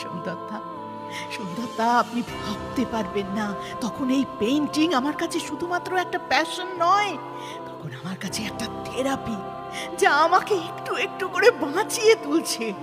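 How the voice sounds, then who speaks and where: An actress playing a resolute, inspiring disabled woman in a Bengali audio drama, speaking emphatically with dramatic pauses and a Bengali accent, switching into English. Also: high voice, lively intonation. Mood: grave, composed. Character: resolute, inspiring disabled woman painter who overcame despair. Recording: reverberant hall effect under music.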